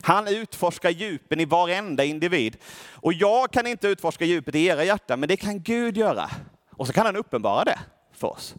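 A man's voice: sits high, sing-song, no room sound, clean studio sound. A man preaching a Bible teaching sermon who explains verses and asks the listeners for agreement.

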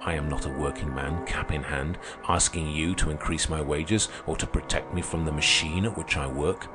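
A man voicing a fiery young male revolutionary, speaking with forceful, declamatory conviction. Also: a bass voice, fairly even intonation, normal speed, over music. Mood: commanding. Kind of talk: audiobook character reading.

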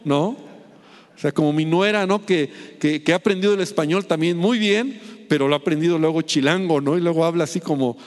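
A man's voice: fairly high pitch, in a large hall. A middle-aged man preaching a sermon, chatting with the congregation and checking in with constant tag questions.

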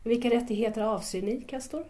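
A woman's voice: a little high, warm tone, natural voice. An actress playing a shy, admiring seventeen-year-old schoolgirl in an audio drama, polite, tentative and eager. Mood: questioning.

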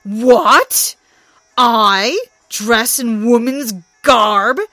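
Proud angry thunder god woman putting him on, outraged and loud, drags his words. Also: a little high, dry recording, studio quality, faint music behind. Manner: indignant, outraged, slow and loud. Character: proud, hot-tempered male thunder god.

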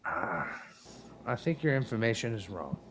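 A man's voice: lowish voice, very animated, moderate pace, fairly bright tone. A man of forty calling in to a talk show, blunt and provoking, swearing as he talks. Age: 40s. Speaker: caller.

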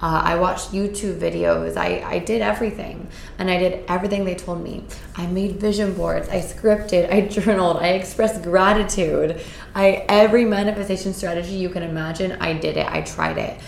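Woman host, hoarse from a cold, gravelly low voice, earnest and upbeat, roomy echo. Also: expressive, normal speed, slight background noise. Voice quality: raspy. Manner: upbeat, earnest, with filler words. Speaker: podcast host. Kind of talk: casual solo podcast talk. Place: indoors in Costa Rica.

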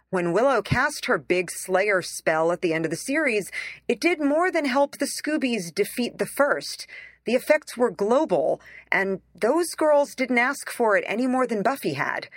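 A woman's voice: medium pitch, a bit bright, no room sound. Female essay narrator, mid-range voice, conversational and opinionated, wry emphasis, very dry close recording. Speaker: essayist reading their own article aloud.

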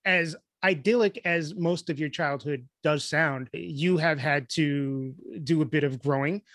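A man's voice: fairly high pitch, a little slow, a bit bright, no room sound, clean studio sound. A man with an American accent hosting a casual podcast interview, speaking informally with somewhat hesitant phrasing. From Kentucky, United States.

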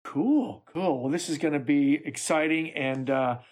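A man's voice: on the high side, measured pace, darkish tone. A man hosting a podcast, asking a guest eager and playful questions. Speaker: podcast host. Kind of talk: casual interview.

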